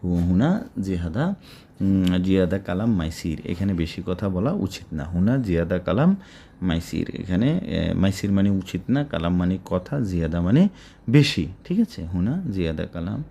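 A man with a Bangladeshi Bengali accent gives a spoken Arabic lesson. His voice sits low and gravelly, and he goes over each phrase slowly, word by word. Faint noise hums behind him. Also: mellow. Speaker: Arabic language teacher.

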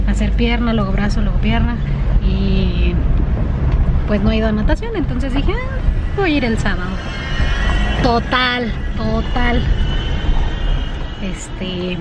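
A woman's voice: mid-range voice, expressive, takes it slowly, long pauses, highs cut off, heavy background noise. A young woman with a Mexican accent, chatting casually to a handheld camera, slangy and full of fillers. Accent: Mexican Spanish. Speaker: vlogger. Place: inside a parked car and a mall food court. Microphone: handheld camera at arm's length.

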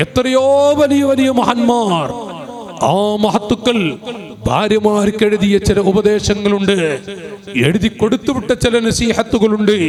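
A man with a high-pitched voice preaching a sermon. He draws out Arabic phrases slowly, almost chanting them, and then sinks to a hushed, intimate tone when he tells a story. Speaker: Islamic preacher.

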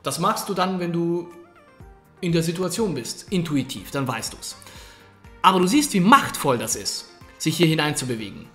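Guy explaining his gameplay to you, lively, casual and pumped, bit of room echo. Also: on the high side, moderate pace. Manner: energetic, coaching, addresses viewer directly, colloquial. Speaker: gaming coach. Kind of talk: tutorial commentary over gameplay. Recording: echoey room. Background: faint background music.

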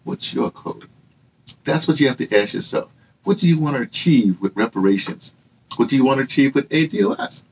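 An older man with an American accent and a husky voice, giving an emphatic, off-the-cuff opinion monologue to camera in a small room. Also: mid-range voice, fairly quick, low-quality recording. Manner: animated, emphatic, rhetorical questions, gesturing. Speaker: vlogger and activist commentator. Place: small cluttered indoor room with books and hanging fabrics.

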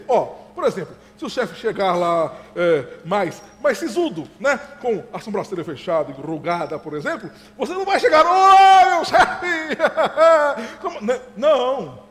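A man's voice: extremely high pitch, fairly bright tone, exaggerated voice. A man playing a fussy, overbearing father who chuckles, repeats himself and lectures his son in an amateur stage play. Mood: lecturing. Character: fussy, overbearing middle-aged father giving advice. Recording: reverberant hall.

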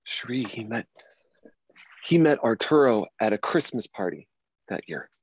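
A man's voice: mid-range voice, big pitch swings, measured pace, husky, heavily acted. A man acting a grieving, well-to-do gay man in his late thirties at a table reading, speaking hesitantly and repeating words. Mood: realising, hurt. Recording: dull, roomy sound.

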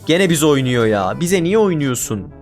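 A man's voice: a little high, big pitch swings, normal speed, soft background music. A man giving casual commentary over his own gameplay, exasperated and ranting at his teammates. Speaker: gaming YouTuber.

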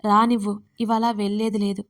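A woman's voice: mid-range voice, flat delivery, a little fast, natural voice. A woman voicing a protective, hot-tempered young man in an audio story, talking in an insistent, scolding way. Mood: angry.

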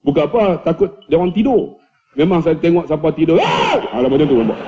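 A middle-aged man with a Malaysian Malay accent, giving a humorous talk at a mosque forum and acting out the dialogue of his stories in a loud voice. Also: on the high side, fast talker, dull audio, background noise. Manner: animated storytelling, acts out dialogue, loud delivery. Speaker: preacher.

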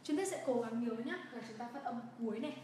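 A woman with a Vietnamese accent teaching English pronunciation in a livestreamed lesson, drilling each word slowly and repeating it. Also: fairly high pitch, animated, mellow. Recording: echoey room, voice from a distance, faint hiss.

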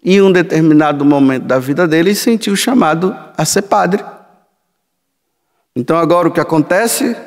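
A man in his sixties, a priest giving a storytelling homily in a large church sanctuary on a headset mic, gesturing broadly as he speaks. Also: on the high side. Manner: slow, storytelling, sweeping hand gestures. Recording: long hall reverb.

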